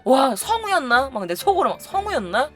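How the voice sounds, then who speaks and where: Woman chatting to her viewers, kinda high voice, acts out the other people, faint music behind. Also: fairly quick. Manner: animated, acts out other people's lines, laughs often. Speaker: YouTube storyteller. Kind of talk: casual storytelling to viewers.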